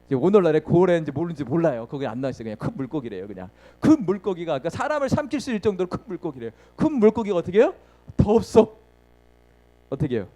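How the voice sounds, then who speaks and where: A man's fairly high voice, dark in tone, races through a sermon very fast and very animated, with few pauses. He questions the congregation and answers himself, dramatizing the story with sound words and laughing often.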